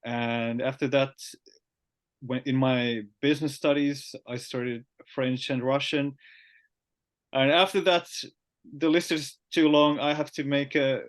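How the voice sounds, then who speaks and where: Finnish-accented male podcast host, chatty and halting, mid-pitched. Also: steady tone. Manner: chatty, halting with frequent "uh" fillers. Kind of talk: casual podcast conversation.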